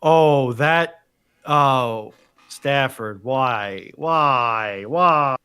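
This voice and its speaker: A man's voice: mid-range voice, extremely slow, sharp tone, clean tone. A man chatting casually as a co-host on a livestream.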